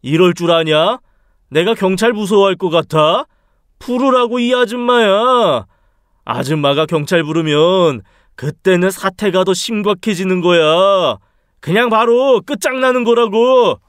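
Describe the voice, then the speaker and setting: A man voicing a menacing young thug who bullies and shouts threats in an audiobook story. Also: sits high, lively intonation, unhurried, dry recording, clean studio sound. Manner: sneering, bullying, shouts threats.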